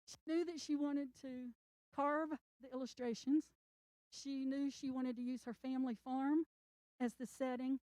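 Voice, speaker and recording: This children's book author, an older woman, addresses listeners at a library event with a high-sitting, mellow voice and a level tone. She is earnest and encouraging, speaking slowly with emphasis, captured in a dry recording with poor audio.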